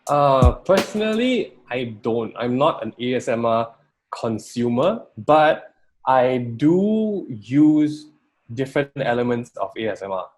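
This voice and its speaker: A man's voice: mid-range voice, very animated, unhurried. A man giving a casual interview, thinking aloud in informal, conversational phrases. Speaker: interviewed guest, YouTuber. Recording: loud guitar music behind voice. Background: guitar music.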